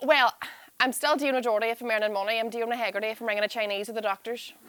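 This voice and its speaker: A woman speaks in a Northern Irish accent at a fairly high pitch. She talks very fast with fairly even intonation. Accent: Derry. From Northern Ireland, Derry. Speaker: comedian. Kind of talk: casual chat.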